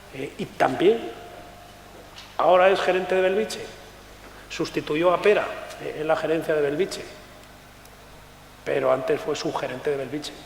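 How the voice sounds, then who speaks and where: Over noticeable background noise, a man with a fairly high voice speaks at a moderate pace with ordinary pitch variation. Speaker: panel moderator. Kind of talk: panel discussion moderation. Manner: halting, frequent repetitions.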